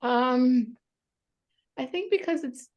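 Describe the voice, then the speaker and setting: A woman from Romania, a psychotherapist answering interview questions thoughtfully over a video call, with many pauses and fillers. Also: sits high, darkish tone, dull audio. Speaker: psychotherapist guest.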